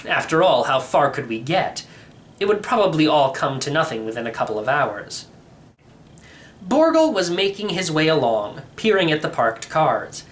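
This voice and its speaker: Animated man reading a storybook aloud. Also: a little high, moderate pace. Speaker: audiobook reader. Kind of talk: expressive first-person storybook narration.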